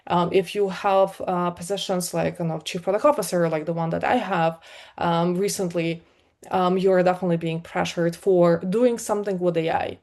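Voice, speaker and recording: A middle-aged woman from Ukraine with a Ukrainian accent, giving a conversational conference talk as a product leader, with many fillers and an energetic delivery. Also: lowish voice, normal speed. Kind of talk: live talk to an online meetup.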